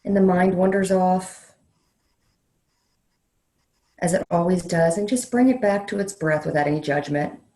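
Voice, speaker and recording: A woman leading a guided meditation in a slow, soothing way, leaving long pauses between phrases. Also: fairly low pitch, mellow. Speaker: meditation leader, counselor educator. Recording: roomy, echoey sound.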